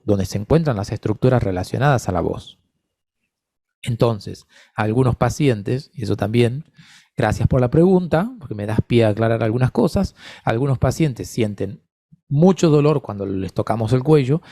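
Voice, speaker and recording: A man's voice: medium pitch, dark tone, no room sound, studio quality. A man lecturing in an online course on voice therapy, patiently answering attendees' questions by name.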